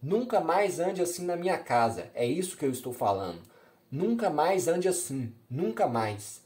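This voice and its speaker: A furious, harsh mother who shouts her scolding, raised well above her reader's voice, as a man puts her on. She later drops to a drained, quiet murmur. She comes from an audiobook-style reading. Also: on the high side, big pitch swings, normal speed, pitched above the performer's own voice. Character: furious mother of a young woman.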